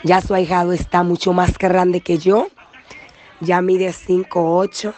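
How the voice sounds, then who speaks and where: A man with a Dominican accent, chatting with a relative in a warm, affectionate, insistent way. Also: high voice, level tone, normal speed. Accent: Dominican Spanish. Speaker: relative on a call. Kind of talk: casual conversation.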